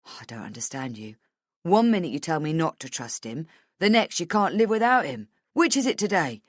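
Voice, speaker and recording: Exasperated male boss, played by a female narrator, blunt and challenging, low register, audiobook drama, dry close sound. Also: big pitch swings, moderate pace, no echo. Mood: skeptical. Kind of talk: audiobook character dialogue.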